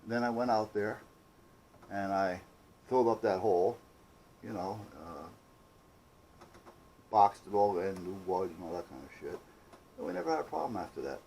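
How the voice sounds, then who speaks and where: Low, mellow-voiced man telling stories casually. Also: lively intonation, moderate pace, creaky, long pauses, slight background noise, poor audio. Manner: folksy, salty-tongued, conversational. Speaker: DIY vlogger. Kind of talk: casual rambling storytelling.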